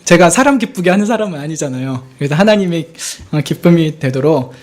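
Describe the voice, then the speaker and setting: A man's voice: fairly high pitch, fairly quick. A man serving as assistant pastor, preaching a Sunday sermon and acting out prayers and conversations as he goes. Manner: animated, acts out quoted prayers and dialogue.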